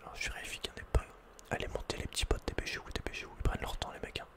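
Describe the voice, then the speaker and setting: A man whispering in a soft, breathy, unvoiced voice as he gives casual ASMR commentary on a video game, with slangy asides. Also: racing. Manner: casual, murmured running reactions with slangy asides. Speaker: ASMR gaming video host.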